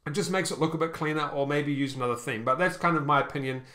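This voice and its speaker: Bright-voiced man giving halting tips. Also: on the high side. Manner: halting, many ums and restarts; adds "okay?" to check in often. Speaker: store reviewer. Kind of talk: casual screen-share tutorial.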